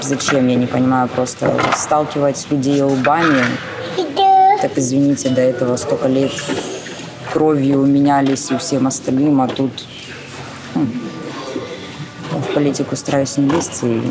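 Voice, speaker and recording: A woman's voice: rumbling low, flat delivery, moderate pace, pauses often, over music, low-quality recording. A woman speaking bluntly as an interviewee. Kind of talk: candid interview.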